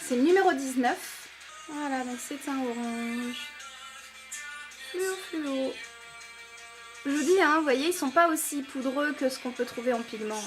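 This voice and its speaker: A high, bright-sounding woman with a French accent talks in an eager, chatty way, often pausing on fillers. She reviews beauty products for her viewers. Music plays clearly behind her voice. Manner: enthusiastic, chatty, many fillers. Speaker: beauty vlogger.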